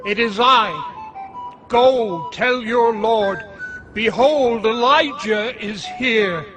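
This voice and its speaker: A man voicing an earnest old male prophet who speaks slowly and prayerfully. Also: very high voice, music in the background, pitched above the performer's own voice, full character voice.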